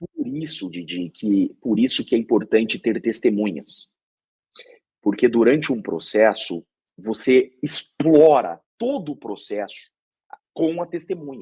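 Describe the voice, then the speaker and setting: At a fairly slow pace, a man with a medium pitch and a dark, mellow tone makes very wide pitch swings, recorded with a dry, close sound and no echo. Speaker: criminal defense lawyer. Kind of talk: interview.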